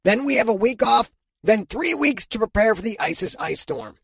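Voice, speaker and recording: Tiny gravelly alien coach guy, a man doing the voice, high pitched, formal, dry sound. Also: expressive, normal speed, a bit bright, dry recording, exaggerated voice. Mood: solemn. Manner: formal, solemn speechmaking. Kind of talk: audiobook character voice.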